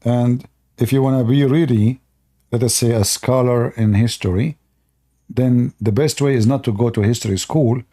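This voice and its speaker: A man's voice: mid-range voice, steady tone, normal speed, mellow. A man from the Middle East with an Arabic accent, a native Arabic speaker, talking unscripted on a live stream as a Christian apologist, with fillers and repetition.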